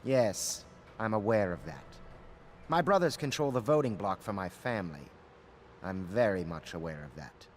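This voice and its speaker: A man playing a haughty low-voiced nobleman. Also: expressive, normal speed, a little hiss or hum, close to an everyday voice. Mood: dry, impatient. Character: haughty, self-assured male aristocrat conspirator. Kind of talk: scripted video game dialogue.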